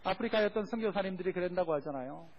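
Man, pastor, high voice, call-and-response sermon, dull lo-fi sound. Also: very fast, slight background noise. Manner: call-and-response preaching, asks the congregation questions. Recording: dull lo-fi recording.

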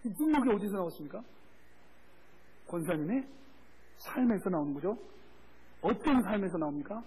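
A man preaching as a missionary, telling a story with lively acted-out quotes and frequent laughter. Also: high-pitched, moderate pace, slightly rough, rough recording. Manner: animated, acts out voices in quotes, laughs often. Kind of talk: sermon with storytelling.

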